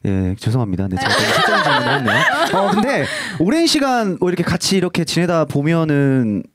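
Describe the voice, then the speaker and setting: A young man hosting a casual interview in a bright studio, speaking into a handheld mic, joking and laughing often. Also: on the high side, wildly swooping pitch, a little fast, no echo. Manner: playful, laughs often, teasing. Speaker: host. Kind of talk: casual radio-style interview.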